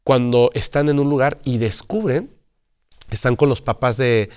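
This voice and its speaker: A man's voice: medium pitch, unhurried, a little mellow. A man, a guest in conversation, telling a paranormal story and acting out the dialogue. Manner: dramatic storyteller who acts out dialogue.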